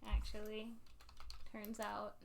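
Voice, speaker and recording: A woman's voice: mid-range voice, monotone, takes it slowly, vocal fry, noisy background. A woman chatting playfully with a friend while drawing on a stream, teasing and laughing often. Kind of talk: casual drawing stream chat.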